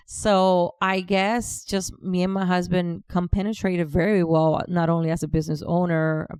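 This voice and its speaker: A woman with a Cuban Spanish accent, her voice low and gravelly, talking as a podcast guest. She speaks in long, loose stretches, restarting phrases and laughing as she goes. The sound is close and dry. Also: little pitch movement, normal speed, a little mellow, no room sound. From Cuba. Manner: talkative, restarts often, laughs easily. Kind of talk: casual interview conversation.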